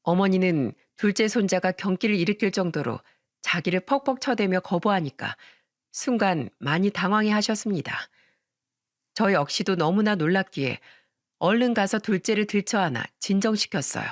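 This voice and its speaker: A story narrator speaking in an even, mid-pitched voice, recounting family events in a steady, confessional tone. The sound is close and dry with no room echo. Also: moderate pace.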